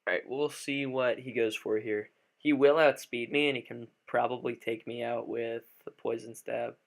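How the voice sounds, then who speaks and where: Guy just woke up, little raspy, lots of uh and um while he plays and explains. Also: medium pitch, level tone, moderate pace. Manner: thinks aloud with frequent fillers and restarts. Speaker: gaming commentator. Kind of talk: live gameplay commentary.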